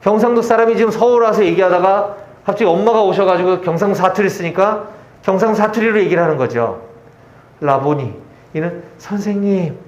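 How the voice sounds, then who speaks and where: Male pastor, high voice, conversational sermon style with questions to the congregation, dull lo-fi recording. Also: fast. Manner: conversational, asks the audience questions. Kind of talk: expository sermon. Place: church service at a military base. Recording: echoey room, dull lo-fi sound.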